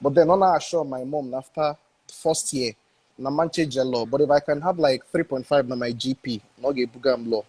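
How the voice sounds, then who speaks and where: A young Nigerian man talks in a casual interview, with a husky, grainy edge to his voice. He speaks with eager energy, repeats phrases, and laughs between thoughts. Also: medium pitch, brisk, a little mellow, poor audio. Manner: enthusiastic, repeats himself, laughs often. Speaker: guest film director. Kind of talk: casual interview chat mixing English and Igbo.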